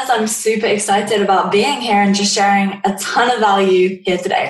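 A woman's medium-pitched voice with audible room echo

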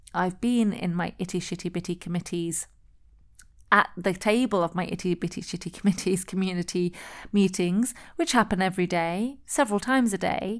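On a very clean recording with a silent background, a woman speaks in a plain, everyday voice at medium pitch, at a fairly quick pace with ordinary pitch variation. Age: 40s. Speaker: podcast host and executive coach. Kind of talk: solo podcast monologue.

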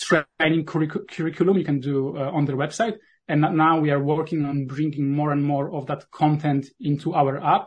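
A man's somewhat breathy, fairly high voice with a Polish accent, at a moderate pace and with fairly even intonation. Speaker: founder and developer of VR sailing app. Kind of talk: casual interview conversation. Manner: hesitant, many filler words.

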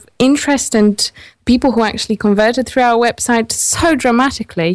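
A woman with a Polish accent speaks at a fairly quick pace with ordinary pitch variation. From Poland. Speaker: audio production business owner and scriptwriter. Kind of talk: interview. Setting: remote call.

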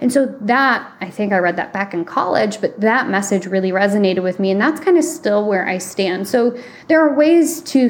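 A woman with an American accent and a plain, everyday voice, medium pitch, fairly quick pace, and lively intonation. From rural Michigan, US. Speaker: financial therapist. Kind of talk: interview conversation.

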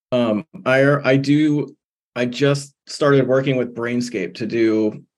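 A man at medium pitch with ordinary pitch variation. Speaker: beer certification trainer. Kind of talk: workshop Q&A. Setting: video call.

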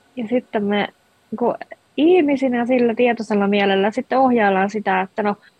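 A woman's high voice shows ordinary pitch variation. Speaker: energy healer. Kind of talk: healing session. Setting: video call.

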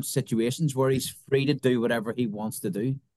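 Speaking at a moderate pace, a man talks in a Northern Irish accent. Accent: Northern Irish (Belfast). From Northern Ireland, Belfast. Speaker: missionary and worship musician. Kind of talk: casual interview chat.

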